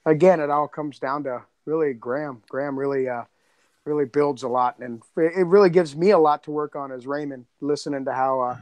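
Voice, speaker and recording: A man's voice: a little high, fairly quick, darkish tone, dry recording. A man chatting casually as a podcast co-creator, rambling and repeating his phrases as he goes. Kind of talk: casual chat.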